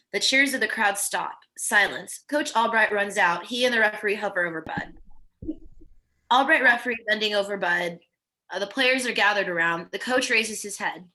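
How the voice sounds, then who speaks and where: A woman's voice: mid-range voice, sharp tone, poor audio. A woman narrating the stage directions of a screenplay at a table read.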